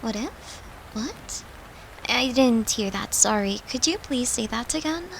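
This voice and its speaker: A woman playing a gentle, devoted girlfriend who soothes her lover in an intimate comfort roleplay, speaking tenderly and reassuringly in a soft, hushed voice. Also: a little high, expressive, unhurried, creaky, noisy background.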